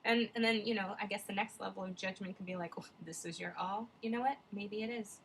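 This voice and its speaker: A woman's voice: medium pitch, steady tone, fast, fairly bright tone, slight background noise, poor audio. A woman vlogger musing in casual, rambling reflective commentary, digressing often with many fillers.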